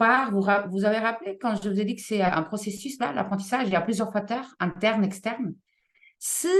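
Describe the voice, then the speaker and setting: A woman speaks in a non-native accent at a medium pitch. Her pace is moderate. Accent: foreign accent in French. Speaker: learning science educator. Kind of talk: online talk presentation.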